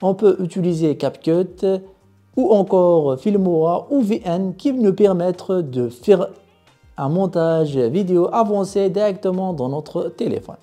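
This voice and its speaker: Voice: medium pitch, warm tone. A tutorial presenter explaining tech steps in an instructional voice-over.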